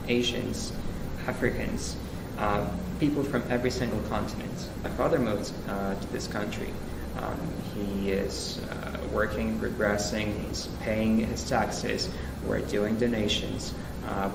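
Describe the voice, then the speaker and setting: A young man from Ukraine, a student guest, speaking earnestly and in a measured way with frequent hesitations. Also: on the low side, vocal fry, reverberant, noisy background. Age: young adult. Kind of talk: interview and studio conversation.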